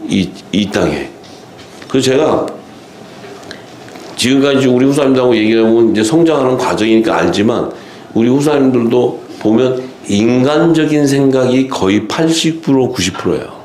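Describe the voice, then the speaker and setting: A man preaching at a seminar, animated and laughing as he acts out quoted lines. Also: medium pitch, moderate pace, echoey room, a little hiss or hum. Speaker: pastor. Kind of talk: seminar sermon.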